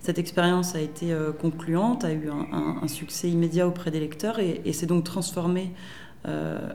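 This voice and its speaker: Noticeable background noise and audible room echo surround a woman's voice. She speaks at a fairly low pitch with ordinary pitch variation. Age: 30s. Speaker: journalist. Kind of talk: interview. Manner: halting with frequent fillers.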